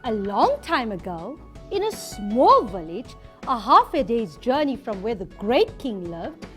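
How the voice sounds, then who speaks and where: High-voiced woman teacher. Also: measured pace, faint music behind. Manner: lively, switching to a playful storyteller persona. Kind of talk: classroom reading lesson.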